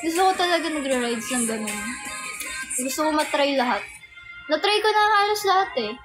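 A young woman with a very high, girlish voice chats casually on a livestream, rambling through a story and giggling often. Music plays clearly behind her as she talks. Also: animated, fairly quick. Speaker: livestream host. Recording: music playing in the background. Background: background music.

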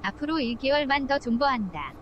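A man's voice: very high voice, expressive, fairly quick, muffled recording, pitched above the performer's own voice. A man putting on the voice of a cutesy, clingy young girlfriend.

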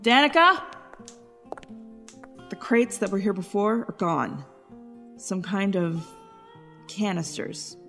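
A mid-pitched woman played by an actress as a wary investigator in an audio drama. She is businesslike, with faint music behind her. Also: expressive, slow, gravelly, long pauses, fairly bright tone, heavily acted.

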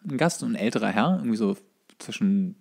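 A man's voice: on the low side, lively intonation, fairly quick, creaky, darkish tone. A man co-hosting a casual chat podcast, telling anecdotes in a wry way with dramatic build-up. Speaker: podcast co-host.

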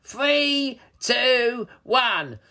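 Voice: medium pitch, animated, very slow, bright, forceful tone, a little hiss or hum, voice pushed up, heavily acted. A storybook narrator voicing a mischievous, slimy male toilet troll villain who sneers, giggles and taunts. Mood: taunting.

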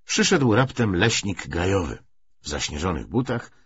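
A man reading literary prose aloud as an audiobook narrator, with a husky voice. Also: sits low, very animated, moderate pace, a bit bright, muffled recording, slight background noise.

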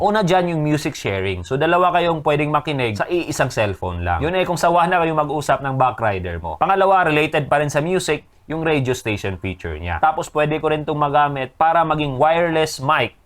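Filipino man narrating a casual vlog review. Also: on the high side. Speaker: motorcycle vlogger reviewing gear.

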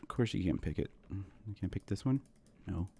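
A sick gaming host in his thirties talks casually to his audience over a Minecraft let's play, rambling and self-deprecating as his voice goes hoarse. The voice is low-pitched, expressive and mellow with vocal fry, at a moderate pace, over slight background noise.

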